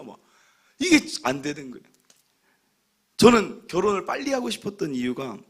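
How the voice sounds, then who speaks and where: A man in his thirties, a pastor preaching a sermon, telling stories with animated humor and acting out what other people say. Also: high-pitched, husky. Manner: acts out other people's remarks.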